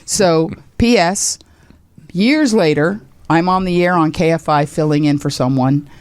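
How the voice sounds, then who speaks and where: Animated woman in her sixties telling a story. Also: unhurried, dry recording, clean studio sound. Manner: exclaims loudly, acts out quotes with big pitch jumps. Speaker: guest, radio talk host.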